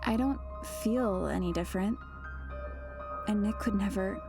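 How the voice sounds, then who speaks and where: Woman acting a hesitant teenage girl, creaky voice, music behind. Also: medium pitch, a little slow. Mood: defensive. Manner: hesitant, earnest. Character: hesitant, confused teenage schoolgirl, earnest and defensive. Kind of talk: audio drama acting.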